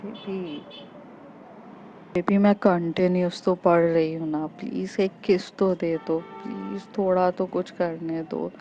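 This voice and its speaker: A woman's voice: fairly low pitch, steady tone, slow, warm tone, soft background music. A woman voicing a clingy young woman student who pleads in a whiny way and is easily upset. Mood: pleading. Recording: dull lo-fi with faint noise.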